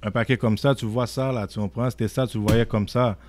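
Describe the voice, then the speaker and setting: A man's voice: mid-range voice, brisk, background noise. A young man with a Québécois French accent, casually telling a story as a podcast guest and often asking "tu comprends?". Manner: animated, repeats "tu comprends?" often.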